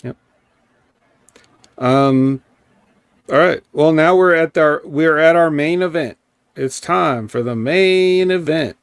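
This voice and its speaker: A man hosting a casual podcast, recapping wrestling at an unhurried pace. He rambles and drops sarcastic asides, with plenty of ums. His voice is close and dry, with no room sound around it. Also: on the high side, clean tone, dry recording. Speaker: podcast host.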